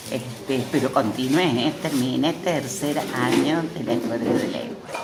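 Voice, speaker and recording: Over noticeable background noise and audible room echo, a woman with a very deep, low pitch speaks at a fairly slow pace with ordinary pitch variation. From Argentina, interior of Córdoba province. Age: 60s. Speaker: interviewee, former teacher. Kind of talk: testimony.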